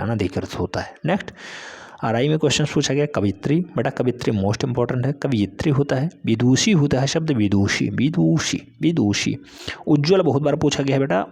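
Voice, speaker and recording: In a mid-range, slightly mellow voice, a man teaches spelling for exam prep. He hammers every word home with repeated, drill-style emphasis and calls the students "beta."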